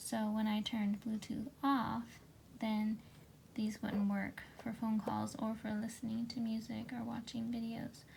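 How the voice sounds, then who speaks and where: Soft-spoken and calm in tone, a woman talks in a fairly high pitch. Her intonation stays monotone and flat. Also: fairly slow pace. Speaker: product reviewer. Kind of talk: product review. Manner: calm, unhurried.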